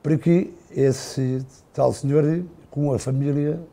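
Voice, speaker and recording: An older Portuguese man, a podcast guest, slowly recalling his family's past in a halting, unhurried way with many restarts. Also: mid-range voice, fairly even intonation, vocal fry, mellow. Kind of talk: casual reminiscing.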